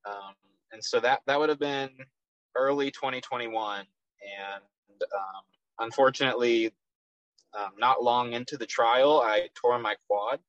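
A man in his twenties with a Texas accent, a professional soccer player, answering interview questions in a relaxed way with many ums and restarts. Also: medium pitch, measured pace, dry recording, lo-fi sound. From Texas, USA. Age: 20s.

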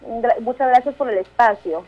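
A Guatemalan woman in her thirties, a town mayor speaking as a radio interview guest, halting with restarts and tag questions. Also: a little high, dull audio. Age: 30s.

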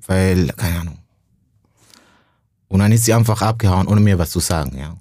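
Low, husky-voiced man in casual talk. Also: warm tone, dry recording, clean studio sound. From Burundi. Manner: slangy, says "bro" often, halting restarts. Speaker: stand-up comedian, podcast guest. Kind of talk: casual emotional conversation.

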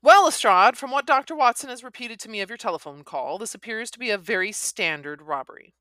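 A woman reading aloud and voicing a calm, formal male detective in a measured, polite way. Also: a little high, no echo, pitched above the performer's own voice. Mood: brisk.

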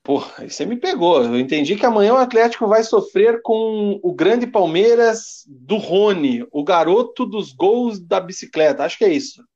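A man's voice: sits high, animated, moderate pace, hardly any pauses, a little mellow, dull audio. A Brazilian man co-hosting a casual sports podcast, reading standings and listener comments with a joking tone. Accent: Brazilian Portuguese. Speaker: podcast co-host.

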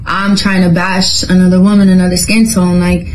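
Flat, mellow woman defending herself. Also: on the low side, moderate pace, slight background noise, low-quality recording. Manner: defensive, earnest, many "like"s. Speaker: singer addressing fans. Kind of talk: recorded video statement.

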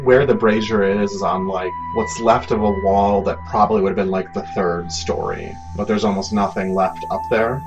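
A man working as game master, narrating a tabletop game in a halting, conversational way with many asides. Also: on the low side, fairly even intonation. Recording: dull, muffled sound under prominent music.

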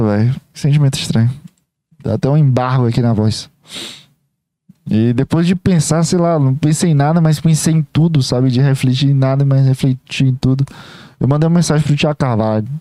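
A man's voice: mid-range voice, dark tone, no echo. A man talks in a casual reaction vlog, emotional, rambling and self-deprecating, often restarting his sentences.

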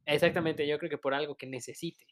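Relaxed Mexican man chatting casually. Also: a little high, fast. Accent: Mexican Spanish. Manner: relaxed, colloquial, trails off with fillers. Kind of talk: casual chat.

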